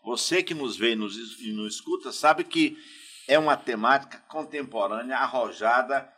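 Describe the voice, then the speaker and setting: A man's voice: medium pitch, normal speed, pushed and bright, breathy edge. A man co-hosting a podcast, emphatic and formal in his welcomes. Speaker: co-host professor.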